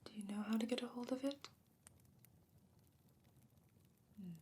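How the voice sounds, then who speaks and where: A woman playing a thoughtful, learned fantasy sorceress in a soft-spoken, breathy ASMR roleplay, measured and gentle with pondering pauses. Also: fairly high pitch, noisy background, natural voice. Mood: thoughtful, probing. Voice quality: breathy, whispery, hushed.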